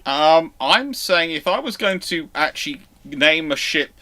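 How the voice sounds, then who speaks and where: A man hosting an informal live question-and-answer stream, explaining in a rambling, halting way with repeated false starts. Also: on the high side, animated, a crowd in the background. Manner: over-careful emphasis on some words. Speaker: host of live naval history Q&A stream.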